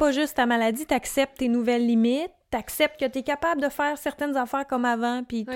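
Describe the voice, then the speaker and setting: On a very clean recording with a silent background, a woman talks at a fairly quick pace in a high pitch. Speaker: podcast co-host. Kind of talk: casual chat.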